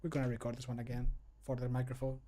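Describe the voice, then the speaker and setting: A man's voice: mid-range voice, level tone, rapid-fire, warm tone. A man in his thirties chatting casually on a livestream while he works, muttering and poking fun at himself. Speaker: streamer and amateur voice actor. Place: small home room, indoors.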